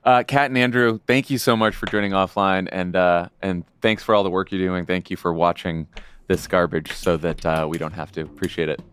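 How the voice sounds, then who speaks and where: A man hosting a podcast, chatting with guests in a relaxed, conversational way. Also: sits low, a little fast. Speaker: podcast host. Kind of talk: casual interview chat.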